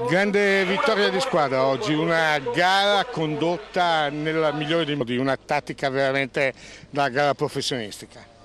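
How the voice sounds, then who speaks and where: Over noticeable background noise, a man with a fairly high pitch speaks at a moderate pace with lively intonation and very even loudness. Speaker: race commentator. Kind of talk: live sports commentary on a cycling race. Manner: animated, steady race-commentary pace, with frequent hesitant fillers.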